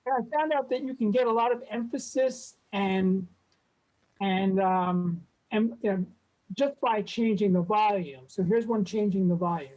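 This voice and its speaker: A woman casually presenting a software demo on a video call at a club meetup, talking in a relaxed way with lots of fillers. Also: mid-range voice, a little slow, rough recording.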